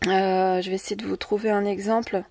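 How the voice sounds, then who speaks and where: A woman with a French accent talks fairly quickly in a mid-range, flat, gravelly and slightly mellow voice, in a dry recording. She's casually showing a craft haul in her scrapbooking video, hesitant with lots of fillers and repeated words. The mic is distant, with faint noise.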